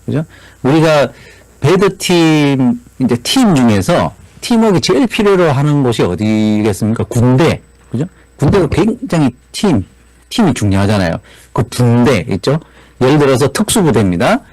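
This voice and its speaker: A man lectures at a business seminar in a medium-pitched voice at normal speed, animatedly asking the audience rhetorical questions and repeatedly tagging on "그죠?". The low-quality recording has no room sound.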